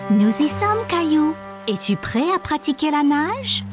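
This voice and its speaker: A woman's voice: sits high, sing-song, a little slow, music in the background. A woman playing an encouraging young mother in a children's cartoon. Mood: cheerful, encouraging.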